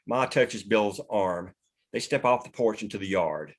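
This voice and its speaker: A man's voice: lowish voice, animated, a little slow. A man narrating the stage directions of a screenplay at a table read.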